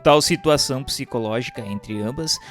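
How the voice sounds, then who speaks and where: A Brazilian man narrates in a solemn, declamatory style, with formal and measured phrasing. His voice sits at a medium male pitch, and soft music plays behind him. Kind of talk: solemn scripted narration of a spiritual text.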